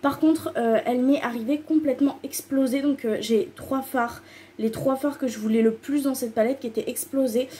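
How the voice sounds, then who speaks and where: A woman's voice: high-pitched, steady tone, normal speed, mellow, slight background noise. Gushing chatty woman vlogger. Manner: enthusiastic, piles up repeated intensifiers; loose and rambling, many fillers. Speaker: beauty vlogger. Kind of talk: casual chatty haul video.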